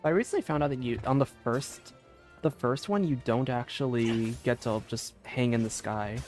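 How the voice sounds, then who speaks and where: A woman's voice: very deep voice, moderate pace, a little mellow, soft background music. A young woman giving casual live commentary as a game streamer.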